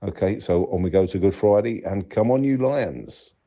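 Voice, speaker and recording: A man with an extremely low, dark voice talks through a match as a fan would. His delivery is casual and conversational, dotted with "you know". The sound is dull and lo-fi, like a voicemail. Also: lively intonation, moderate pace, gravelly. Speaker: football fan giving match reaction by voicemail. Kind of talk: casual spoken match analysis.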